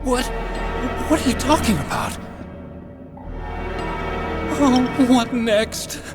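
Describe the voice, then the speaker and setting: A man's voice: extremely high pitch, very animated, extremely slow, full character voice. An actor playing a nerdy, bewildered male scientist in a video game, whining in fright. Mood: panicked. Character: panicky, nerdy male anime-fan scientist. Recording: voice under loud game music.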